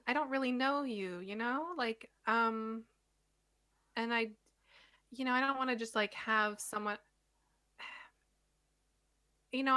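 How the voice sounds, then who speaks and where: A woman voicing a shy, awkward female toy maker in a tabletop role-play, talking softly with many pauses and fillers. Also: high voice, heavily acted. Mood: nervous. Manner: halting, soft, full of pauses and fillers.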